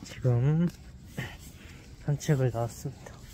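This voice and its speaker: A man's voice: medium pitch, a little slow, mellow. A man talking through a face mask while out on a walk, chatting casually to his viewers. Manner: chatty, addresses viewers directly. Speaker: vlogger. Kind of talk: casual vlog chat. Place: outdoors on a walk.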